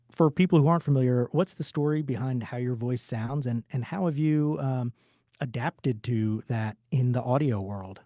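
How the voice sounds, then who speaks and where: Mellow, dry-sounding male interviewer. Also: mid-range voice, no room sound. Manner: wordy questions with restarts and self-corrections. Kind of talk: interview questions.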